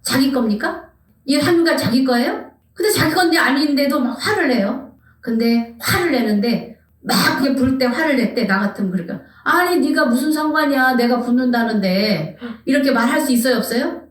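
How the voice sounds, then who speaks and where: A woman pastor preaching a sermon, animated, asking her congregation questions and sometimes dropping to a whisper. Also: high-pitched, a little fast. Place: church sanctuary. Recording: echoey church hall, mic at a distance.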